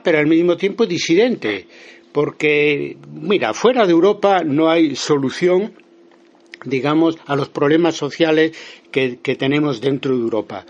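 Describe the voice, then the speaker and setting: A man with a Galician Spanish accent giving a phone interview as a guest, talking hesitantly with many fillers and restarts. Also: a little high. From Spain. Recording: lo-fi phone line.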